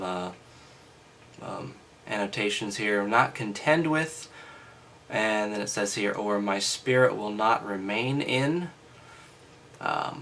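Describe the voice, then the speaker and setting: A man with a halting, freshly woken delivery, reading aloud casually and breaking off for wry, skeptical commentary. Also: on the low side, fairly bright tone, a little hiss or hum. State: just woke up.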